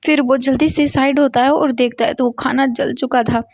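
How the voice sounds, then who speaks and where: A young woman retelling her own fan story aloud in a plain storytelling manner, often pausing on fillers. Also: high voice, steady tone, no echo, studio quality. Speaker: fanfiction narrator.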